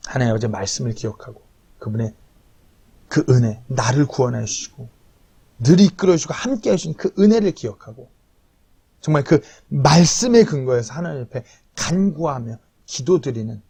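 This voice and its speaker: A man's voice: a little high, vocal fry, dark tone, slightly rough. A man in his thirties preaching an earnest, confessional sermon as a pastor, at times pleading.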